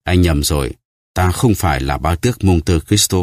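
A man voicing a stern, vengeful nobleman who speaks gravely and solemnly, in a deep, dry voice. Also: moderate pace, a little mellow, no room sound, close to an everyday voice.

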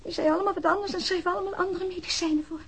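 An actress playing a bewildered, indignant new widow in a radio drama, halting yet insistent. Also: female voice, very high voice, steady tone, gravelly, fairly bright tone, slight background noise, exaggerated voice. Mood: weary recounting. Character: bewildered, indignant newly widowed wife of a policeman. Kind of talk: naturalistic radio drama acting.

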